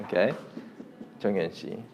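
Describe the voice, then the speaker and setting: A man's voice: lowish voice, unhurried, rough recording. A young man from Korea with a Korean accent, a native Korean speaker, teaching a beginner Korean class live online in an informal way and often restarting his sentences. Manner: energetic, coaxing the class to repeat louder.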